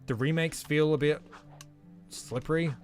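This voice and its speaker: A man's voice: a little high, steady tone, a little slow, faint music behind. A man live-streaming a game, chatting casually and reading viewer comments aloud in a laid-back way. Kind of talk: casual live-stream chat while gaming.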